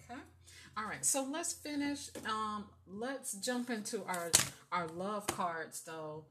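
A woman with a mid-range voice that carries, giving a relaxed tarot reading. She talks in a loose, chatty way and keeps checking in with the listener. The voice sounds like it demands attention. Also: medium pitch, slow, heavy background noise. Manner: chatty, filler-heavy, often asks "right?". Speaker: tarot reader. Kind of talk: casual spiritual reading.

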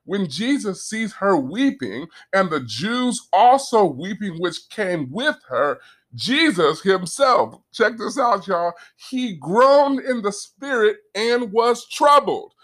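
A man preaching an earnest sermon, reading scripture slowly, repeating words as he builds a point and talking straight to his listeners. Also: high voice, sing-song, a bit bright. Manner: reads scripture slowly and deliberately; addresses listeners directly and conversationally.

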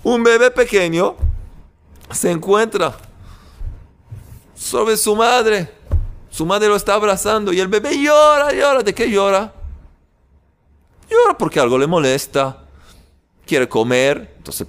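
A man preaching a sermon in an animated way, firing off rhetorical questions and leaving dramatic pauses. His voice sits high and leaps up and down in lively swings, with a slow, deliberate delivery. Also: clear, resonant tone. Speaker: religious teacher.

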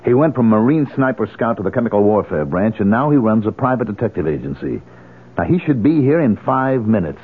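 A man's voice: on the low side, very animated, a little fast. An actor with an American accent playing a concerned, determined young man in a 1970s radio drama. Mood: terse, irritated. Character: concerned, determined young man helping his girlfriend's father. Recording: tinny, phone-like old radio broadcast.

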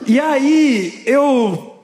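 Man, pastor, lively story-driven sermon, quite high pitch, echoing hall. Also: extremely slow. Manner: animated, lively storytelling with quoted dialogue. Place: church hall. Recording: long hall reverb.

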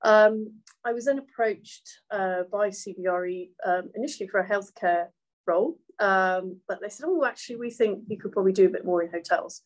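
A woman's voice: medium pitch, a little fast, rough recording. A middle-aged woman who grew up in Hong Kong, talking thoughtfully in a casual interview, with many ums and uhs. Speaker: guest, hotel valuation executive.

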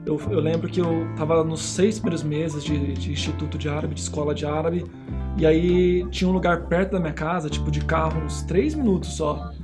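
Animated Brazilian man telling a story. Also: fairly high pitch, brisk, music in the background. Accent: Brazilian Portuguese. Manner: animated, acts out voices in his stories. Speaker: missionary guest. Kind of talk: casual storytelling.

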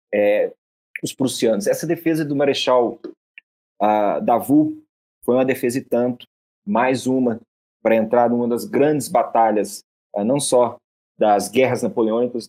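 Here is a man at a middle pitch, talking through military history in a loose, chatty lecture. He often trips on his words, repeating short syllables and restarting before he goes on. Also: dark tone. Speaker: history show host. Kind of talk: casual spoken history lecture.

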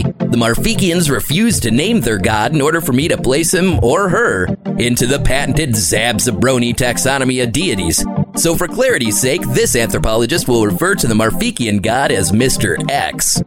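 A cheery, self-important anthropologist hosts his educational show, played by a man. He talks in a bouncy, mock-scholarly documentary style with widely swinging intonation. Loud music plays underneath the whole time. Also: medium pitch, natural voice. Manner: chipper documentary-host delivery, mock-scholarly, refers to himself in the third person. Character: cheery, pompous male alien anthropologist presenting an educational show. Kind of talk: comedy audio drama acting.

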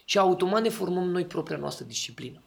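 A man's voice: high voice, animated, gravelly. A man in casual podcast talk, explaining his ideas and often checking that the listener agrees.

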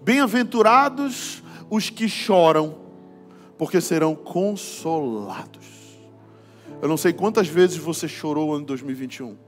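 A man's voice: on the high side, lively intonation, unhurried, faint music behind. A man pastor with a Brazilian Portuguese accent preaching a sermon, casual and slangy, building to fervent passages. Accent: Brazilian Portuguese, from Belém.

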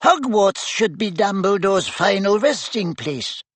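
A man voicing a tiny, fussy old male wizard professor who talks in a squeaky, formal and precise way. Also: expressive, unhurried, fairly bright tone, no room sound, heavily acted. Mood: solemn.

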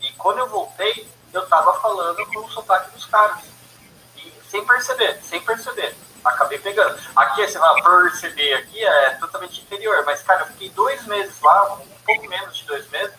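A man's voice: sits high, moderate pace, sharp tone. A man chatting casually on a video call, rambling and repeating himself. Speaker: live stream participant, musician. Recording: echoey distant mic with faint noise.

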